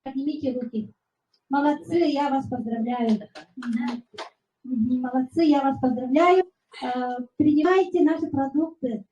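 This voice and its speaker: High-pitched woman hosting a meeting, mellow voice, muffled echoey sound. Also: measured pace, a little hiss or hum. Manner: encouraging, full of praise. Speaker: presenter. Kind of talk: hosting a presentation.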